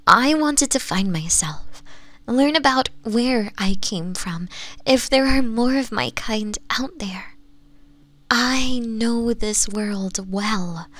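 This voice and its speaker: Woman doing a doting yandere fox lady asmr, kinda high breathy voice, teasing and whispery, super slow. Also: animated, a bit bright, no echo. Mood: coaxing, adoring. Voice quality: breathy, often dropping into whispers. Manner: cooing, teasing, slow sultry endearments with giggles. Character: possessive, doting nine-tailed fox woman, centuries old. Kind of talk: ASMR roleplay.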